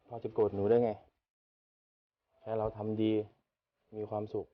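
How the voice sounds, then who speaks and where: A middle-aged man playing a calm, accepting father in an understated drama, speaking gently and reassuringly. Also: fairly low pitch, measured pace, phone-quality sound, natural voice. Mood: gentle reassurance. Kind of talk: understated screen drama acting.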